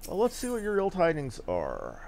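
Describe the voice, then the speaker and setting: A man's voice: a little high, wildly swooping pitch, moderate pace, darkish tone. A man giving casual, folksy live commentary as he streams a game, swearing now and then. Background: video game music.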